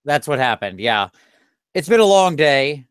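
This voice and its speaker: A man hosting a casual tabletop gaming podcast, tired after a long day and talking in an animated, self-deprecating ramble. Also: on the high side, unhurried, clear, resonant tone, dry recording. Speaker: podcast host. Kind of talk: casual chat.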